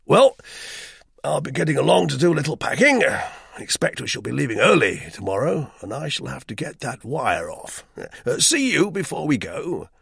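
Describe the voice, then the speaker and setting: A man's voice: on the high side, very animated, moderate pace, gravelly, a bit bright, husky, dry recording, studio quality, pitched above the performer's own voice, heavily acted. A man voicing an embarrassed, bluff army major who talks with hearty, awkward cheer. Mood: forced cheer. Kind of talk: audiobook character voice.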